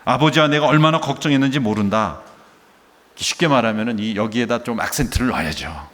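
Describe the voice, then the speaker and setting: A middle-aged male pastor delivers an emotive sermon in a mid-range, fairly bright voice at a fairly quick pace. He poses rhetorical questions and acts out quoted dialogue, with a long hall reverb on the recording.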